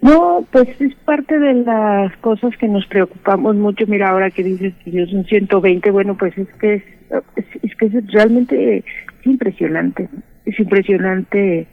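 Mexican woman journalist on a phone line, gravelly voice, keeps restarting as she looks for words. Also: mid-range voice, no room sound. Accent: Mexican Spanish. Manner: halting, searching for words, many restarts. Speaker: journalist and former teacher. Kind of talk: radio interview answer. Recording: tinny phone-line sound, dry.

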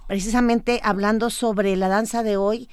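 A woman interviewing a guest, speaking haltingly and with enthusiasm. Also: medium pitch, steady tone, a little mellow, smooth, no echo. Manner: halting, many fillers and restarts, enthusiastic. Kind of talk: interview, hesitant chat.

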